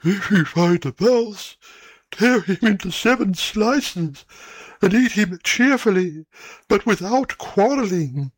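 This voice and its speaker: A wise old owl gives gruesome advice in a slow, slightly raised voice, as a man reads the part. Each phrase is drawn out with relish, close and dry. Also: high voice, expressive, dry recording, voice pushed up, full character voice.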